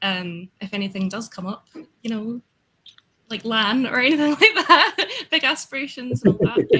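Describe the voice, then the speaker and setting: A woman with a Scottish accent speaks at a moderate pace in a fairly high voice, her intonation lively and her loudness swinging widely. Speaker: Lego builder and content creator. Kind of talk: casual interview chat.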